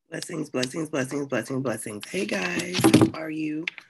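Noticeable background noise behind a woman's speech, its pitch varying in an ordinary way. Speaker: ministry leader hosting an online session. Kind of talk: casual opening chat before a teaching. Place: home room. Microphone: video call.

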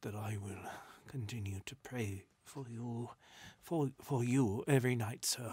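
The voice reads in a natural way. Its pitch varies in an ordinary manner.

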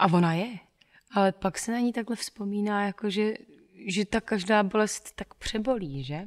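The recording is dry and close, with no echo. A woman speaks at a moderate pace at medium pitch with ordinary pitch variation. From Czech Republic, Moravia (Náměšť nad Oslavou). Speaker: stage actress, podcast co-host. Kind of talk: casual chat. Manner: animated.

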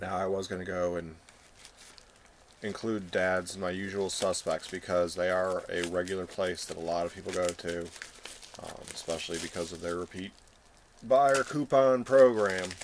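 A man's very deep, low voice at a moderate pace, with long, frequent pauses, big swings in loudness and light background noise. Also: ordinary pitch variation. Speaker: hobby vlogger. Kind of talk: casual vlog chat. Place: home room. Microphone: webcam.

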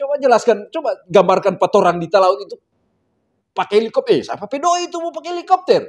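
A man's extremely high-pitched voice, with very wide pitch swings and a very fast pace, over a quiet background. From North Sulawesi. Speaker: video channel host interviewing migrants. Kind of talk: casual interview chat. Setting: restaurant. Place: home room. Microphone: lapel.

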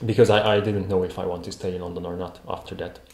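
A man's very deep, low voice with a Hungarian accent, in audible room echo. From Hungary. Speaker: classical guitarist and musician; interview guest. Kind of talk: interview conversation. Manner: halting, with many repeated words and fillers. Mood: relaxed, friendly. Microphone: earbuds.

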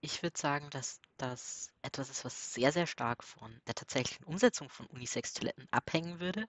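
An unremarkable speaking voice at a moderate pace, with lively intonation and big swings in loudness. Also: man, fairly high pitch for a man. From southwestern Germany. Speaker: podcast co-host. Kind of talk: casual chat.

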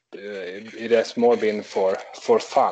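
A man with a Swedish accent speaks with fairly even intonation over light background noise. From Sweden. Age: 30s. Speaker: musician; interviewee. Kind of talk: interview. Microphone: video call.

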